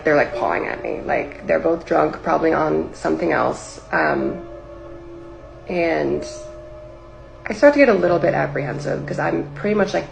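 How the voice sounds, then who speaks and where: A woman's voice: low-pitched, creaky, poor audio. A young woman casually telling a personal story, rambling with lots of "like" fillers. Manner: rambling, heavy use of "like" fillers. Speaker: storyteller recounting a personal experience. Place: livestream or video setup.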